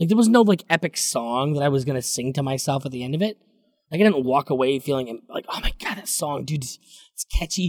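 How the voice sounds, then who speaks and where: In a dry, close sound with no echo, a man talks at a very fast pace, somewhat breathy and fairly high in pitch, with lively intonation. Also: big swings in loudness. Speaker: podcast host. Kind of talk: casual chat.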